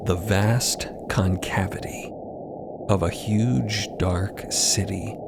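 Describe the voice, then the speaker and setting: A man narrating scripted fiction in a measured, deliberate way with dramatic pauses. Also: on the low side, steady tone, creaky, heavy background noise. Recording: loud music under the voice. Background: loud music.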